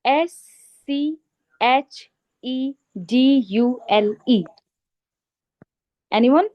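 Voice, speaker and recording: A woman hosting a club meeting, giving a formal opening speech with deliberate, emphatic phrasing and rhetorical pauses. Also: sits high, dull audio. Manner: emphatic, in short list-like phrases. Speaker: meeting host.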